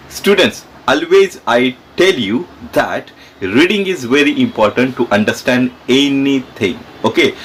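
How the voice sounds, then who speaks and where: A man's voice: mid-range voice, a little hiss or hum, low-quality recording. A man with an Indian accent teaching a history lesson, explaining step by step, repeating phrases and often checking in with his students. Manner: repetitive, asks questions and checks in with students.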